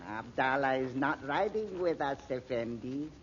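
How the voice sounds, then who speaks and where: An actor playing a polite but unyielding Arab camel-train guide who speaks broken English, in old radio drama style. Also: male voice, medium pitch, animated, a little slow, a bit bright. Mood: firm, deferential. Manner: broken English, simple emphatic phrases. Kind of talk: 1930s-40s radio acting. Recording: muffled, noisy old radio recording.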